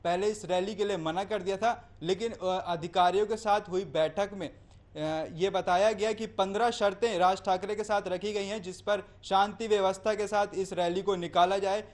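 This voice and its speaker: A man's voice: high-pitched, steady tone, moderate pace. A man reporting live as a news correspondent, explaining in long, winding sentences with hesitations.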